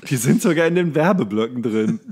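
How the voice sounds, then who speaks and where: A man's voice: medium pitch, animated, moderate pace, darkish tone, slightly rough. Joking, teasing man in casual banter. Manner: joking, teasing, often chuckling as he talks. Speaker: podcast co-host.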